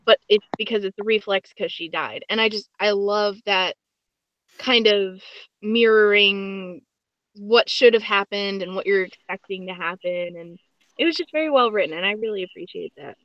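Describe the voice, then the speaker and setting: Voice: mid-range voice, normal speed, dry recording. Podcast interviewer chatting casually, kinda muffled lo-fi sound. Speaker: guest podcast host. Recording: dull, lo-fi voice recording.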